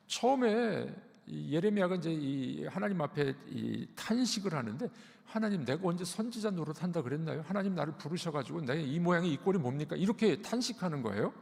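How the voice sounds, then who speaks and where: A man's voice: fairly high pitch, vocal fry, long reverb tail. A man giving a sermon as pastor, explaining patiently and repeating key words. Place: church sanctuary.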